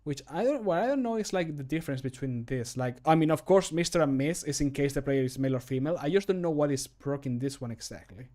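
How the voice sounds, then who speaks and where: A man in his thirties with a slightly high voice talks to his stream as he works. He is casual and self-deprecating, swears a little, and thinks out loud from a small room at home. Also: animated, fast, hardly any pauses. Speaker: streamer recording game mod voice lines. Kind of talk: casual livestream chat while working.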